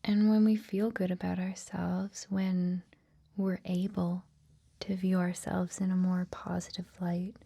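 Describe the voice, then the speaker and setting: A woman whispering softly in a gentle, reassuring ASMR style, as if hosting a guided meditation. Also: lowish voice, little pitch movement. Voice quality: breathy, whispered, soft. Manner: gentle, slow, hushed, reassuring. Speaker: host of a guided meditation series.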